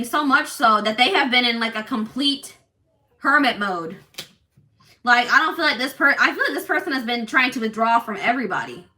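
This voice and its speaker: A woman with a strong, loud voice giving a casual tarot reading to viewers in an assertive, emphatic, repetitive manner. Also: high voice, distant mic. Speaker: tarot reader and channel host.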